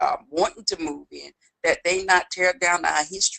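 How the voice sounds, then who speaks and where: The sound of this woman's voice is dry and close, with no echo. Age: 60s. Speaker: community activist. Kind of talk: casual chat. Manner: halting.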